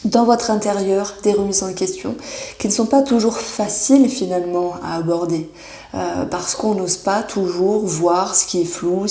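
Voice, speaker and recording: A woman giving a monthly horoscope tarot reading, reassuring and often pausing with fillers as she searches for words. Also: mid-range voice, mellow. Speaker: tarot reader. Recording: echoey room.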